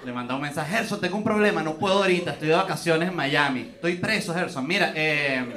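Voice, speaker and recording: High-pitched Venezuelan man doing stand-up. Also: fast, far from the mic. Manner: teasing, mocking banter with audience. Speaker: stand-up comedian, host. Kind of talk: crowd-work stand-up comedy. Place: theater stage. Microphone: handheld microphone. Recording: roomy stage sound, audience noise.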